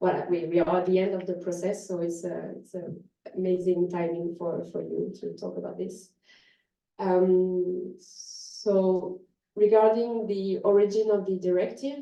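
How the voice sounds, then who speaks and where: A woman with a French accent speaks fairly slowly at medium pitch, her tone dark and mellow. Her intonation is fairly even, and audible room echo surrounds her. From France. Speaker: environmental policy advocate. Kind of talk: conference presentation. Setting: university conference hall with audience. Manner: hesitant, many fillers.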